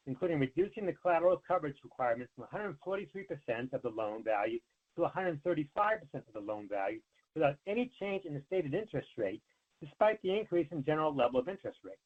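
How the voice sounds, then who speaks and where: A man, a company finance executive, reading prepared earnings remarks in a formal, measured way over a conference call line. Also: a little high. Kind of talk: scripted earnings call presentation. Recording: narrow, tinny conference phone line.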